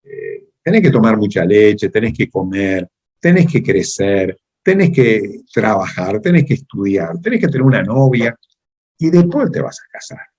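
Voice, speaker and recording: Caring mother quoted by a man, gentle, reassuring, muffled lo-fi sound. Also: on the low side, big pitch swings, normal speed.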